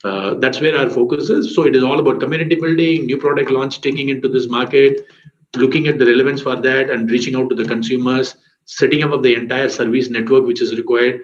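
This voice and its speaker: Male company executive, explanatory, lowish-pitched, muffled roomy conference line. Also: fairly even intonation, fast, slight background noise. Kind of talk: answering questions on an earnings conference call.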